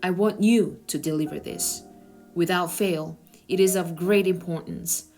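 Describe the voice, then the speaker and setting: A serious man in charge of a secret escape, as a woman storybook reader puts him on, giving firm, low-key instructions. Soft music plays behind the words. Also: unhurried. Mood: grave, instructing.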